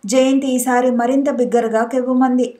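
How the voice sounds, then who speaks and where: A woman narrating a novel as an audiobook in a calm, even reading manner. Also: sits high, normal speed. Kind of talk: storybook narration.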